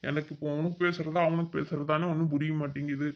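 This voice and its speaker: A man voicing a flat, patient Kongu village father. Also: fairly high pitch, fast talker, lo-fi sound, lightly acted. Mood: consoling. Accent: Kongu Tamil. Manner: patient, persuasive, reasoning. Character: middle-aged village father, patient peacemaker.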